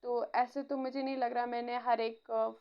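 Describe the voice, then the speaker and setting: A woman's voice: on the high side, flat delivery, moderate pace, smooth, dull audio. A woman teaching an exam-prep history lecture, checking in often with listeners and mixing in English phrases. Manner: frequent "theek hai" check-ins, mixes English phrases.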